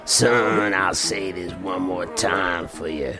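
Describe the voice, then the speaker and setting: An actor playing a gruff, dismissive sheriff in a western audio drama, with condescending, folksy put-downs. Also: male voice, low voice, slow pace. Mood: dismissive, firm. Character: gruff, dismissive Old West sheriff, poker-playing and sarcastic. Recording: music behind the voice.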